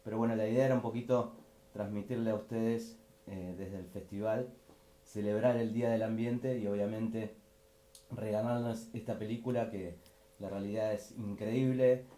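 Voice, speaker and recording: A man, a festival host opening a live stream with rapid talk full of fillers. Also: on the low side, fairly even intonation, mellow, echoey room.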